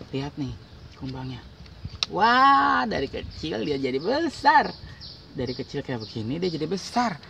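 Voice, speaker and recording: A man's voice: a little high, gravelly, distant mic. A man reading a picture book aloud to a small child, using exclamations, sound effects and simple repeated phrases. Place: outdoors on a playground swing in a residential park. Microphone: camera a short distance away. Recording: outdoor noise, voice off from mic.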